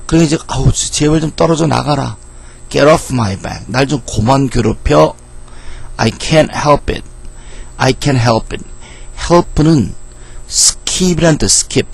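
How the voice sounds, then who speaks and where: Gravelly-voiced man teaching English. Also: medium pitch. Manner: lively, asks and answers his own questions. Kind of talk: grammar lecture.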